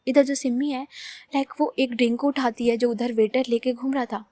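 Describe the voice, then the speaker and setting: A woman's voice: a little high, fairly even intonation, moderate pace, warm tone, no echo. A woman narrating a romance story in a chatty, loose way full of fillers.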